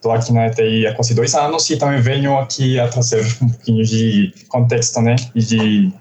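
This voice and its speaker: A man's voice: mid-range voice, steady tone, normal speed, darkish tone, recorded from a distance, slight background noise. Man, Colombian accent, Spanish native, casual tech chat, roomy echo, set back from the mic. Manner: explains with many "tipo assim" fillers. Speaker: developer guest. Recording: echoey room, off-mic, faint ambience.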